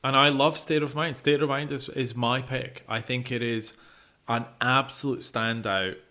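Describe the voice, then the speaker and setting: A man's voice: medium pitch, fairly even intonation, normal speed, pushed and bright. A man co-hosting a music podcast in casual chat, often prompting with questions and short agreements. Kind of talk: casual album review chat.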